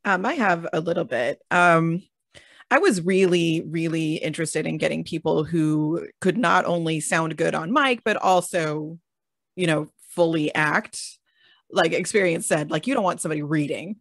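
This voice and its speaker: Lower-voiced woman, dry close sound. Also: normal speed, dry recording. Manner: thoughtful, laughs lightly while explaining. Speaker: audio drama creator. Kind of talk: panel discussion.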